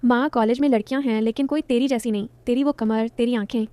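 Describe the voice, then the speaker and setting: Woman doing a young stepson, pleading, suggestive, mellow tone, dry close sound. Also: fairly high pitch, fairly even intonation, quick pace, smooth, no room sound, lightly acted. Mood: coaxing.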